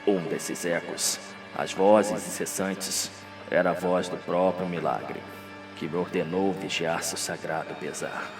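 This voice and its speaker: Audio drama role: dying old confessor played by a man, hushed low voice, very slow, sorrowful and morbid, music behind. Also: steady tone, far from the mic. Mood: solemn, sorrowful. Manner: slow, drawn-out, grave delivery.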